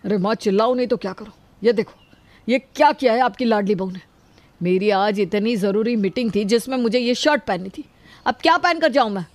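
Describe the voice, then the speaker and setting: A woman voicing a hot-tempered young husband who shouts in irritation. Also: a little high, brisk, dry recording, lightly acted. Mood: annoyed.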